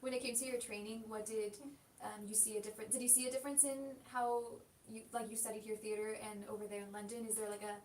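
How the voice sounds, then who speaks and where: A woman's voice: steady tone, fast, darkish tone. A woman hosting an interview, asking questions and adding frequent affirming hums. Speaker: host. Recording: roomy, distant mic with faint rumble.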